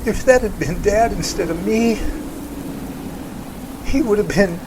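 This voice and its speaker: A man's voice: high voice, unhurried, reverberant, in a large hall, noisy background. A man acting a brash, sarcastic, needling younger man in an amateur radio drama. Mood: shaken. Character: mocking, wisecracking younger man, brashly affectionate.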